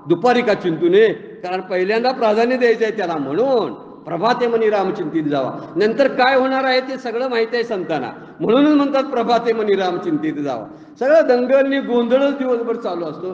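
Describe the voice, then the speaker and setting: A man gives a devotional talk on scripture in a high, ringing voice. He tells homely stories and keeps asking his listeners questions. The sound is roomy and echoing, with a long hall tail and a slightly dull, muffled tone. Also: a little mellow. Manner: folksy storytelling with rhetorical questions. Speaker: spiritual discourse speaker.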